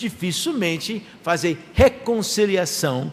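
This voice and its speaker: A man talks very slowly in a high voice, with noticeable noise in the background. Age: 60s. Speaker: pastor. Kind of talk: sermon. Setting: church.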